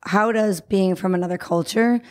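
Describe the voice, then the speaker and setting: A woman's voice: mid-range voice, moderate pace, a little mellow. A woman hosting a podcast interview, conversational as she asks thoughtful questions. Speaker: podcast host.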